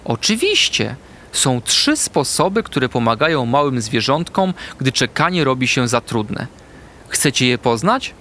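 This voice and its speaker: A man's voice: medium pitch, very animated, a little slow, slight background noise. A man doing a kind wise owl lady. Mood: gentle. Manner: gentle and patient explaining.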